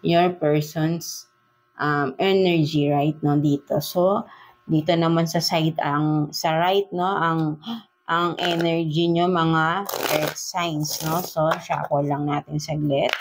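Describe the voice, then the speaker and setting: A woman's voice: low voice, fairly even intonation, noisy background. A woman with a Filipino accent giving a casual tarot reading in Taglish, chatty and full of fillers, often tagging her sentences with "no?" and "right?". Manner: chatty, slow, filler-heavy Taglish with frequent "no?" and "right?" tags. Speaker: tarot reader.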